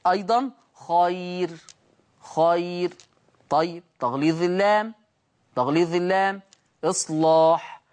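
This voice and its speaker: A man teaching Quran recitation rules on a TV program. He asks rhetorical questions, answers them, and chants the example words slowly. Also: sits high. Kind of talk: televised recitation lesson.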